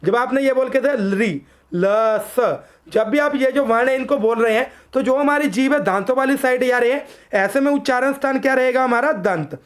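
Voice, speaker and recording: High-voiced woman teaching exam prep. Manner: poses quiz questions, then answers them herself in a lower voice; slowly sounds out letters for viewers to repeat. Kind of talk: online exam-prep lesson.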